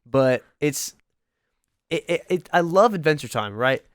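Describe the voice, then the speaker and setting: An excitable young man co-hosting a podcast, tripping over his words and circling back as he talks. His voice sounds smooth and clear, recorded close and dry with no room around it. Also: a little slow, no echo. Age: young adult. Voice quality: higher voice. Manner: excitable, rambling with many restarts. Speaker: podcast co-host. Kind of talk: casual chat.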